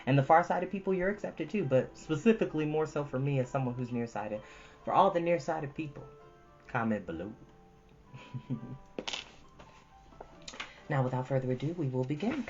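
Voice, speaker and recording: A woman with a very low voice hosts a storytime, switching between casual chatty asides and expressive book reading in an earnest, encouraging manner. She speaks at a moderate pace with long pauses. The audio is dull and lo-fi, with music behind her.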